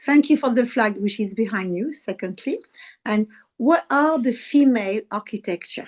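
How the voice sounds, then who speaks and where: A woman with a French accent speaks at a moderate pace and a fairly high pitch, her intonation lively. The sound is dry and close with no echo, over a quiet background. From France. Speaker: audience member. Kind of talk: audience question. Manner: animated.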